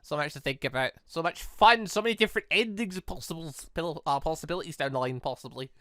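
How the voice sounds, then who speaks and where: A man's voice: a little high, fast, a bit bright, dry recording, clean studio sound. A man hosting a let's play, rambling through his commentary with stammered self-corrections. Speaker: gaming video host. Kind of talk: let's play commentary, reading visual novel dialogue aloud. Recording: music behind the voice.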